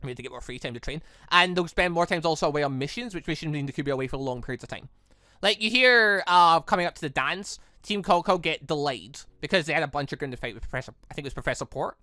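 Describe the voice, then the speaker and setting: Talking fast in a fairly high, animated voice with a bright, forceful edge, this man hosts a let's play and reads visual novel lines aloud over game music. He's on a close mic with no room sound, rambling along and often stopping to correct himself.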